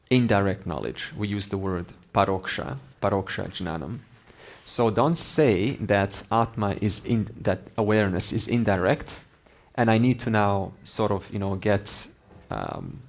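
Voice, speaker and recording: A man giving a slow, deliberate spiritual lecture, explaining ideas with Sanskrit terms. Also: fairly low pitch, creaky. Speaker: Vedanta teacher.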